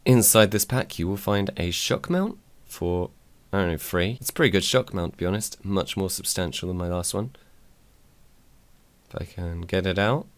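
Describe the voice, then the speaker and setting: A man's voice: animated, normal speed, no echo. A man, reviewing a microphone in a casual, dry, self-deprecating way. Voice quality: low voice. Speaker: tech reviewer. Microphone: desk microphone on a mic arm.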